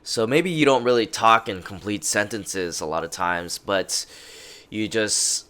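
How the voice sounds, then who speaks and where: A man vlogging casual advice in a slow, halting way, with many fillers and restarts. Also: on the low side, pushed and bright. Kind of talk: casual talking-head advice. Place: lives in Japan. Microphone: interview microphone.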